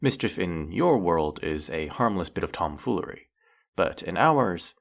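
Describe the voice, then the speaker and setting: A man's voice: sits low, big pitch swings, measured pace, creaky, full character voice. A man playing a teasing, sarcastic, flirtatious male faerie in a scripted roleplay monologue, scolding the listener with dry, theatrical playfulness. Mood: indignant, explaining.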